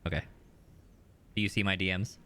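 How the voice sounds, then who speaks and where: A man's voice: deep voice, level tone, a little fast, pushed and bright. A man casually running a tabletop game as game master, conversational and improvised.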